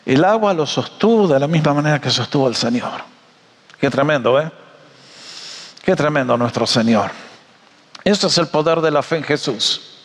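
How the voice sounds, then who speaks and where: A man preaching a sermon, animated and joking, often asking his audience questions. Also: on the high side, normal speed, long pauses, long reverb tail. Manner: animated, jokey storyteller, asks the audience questions.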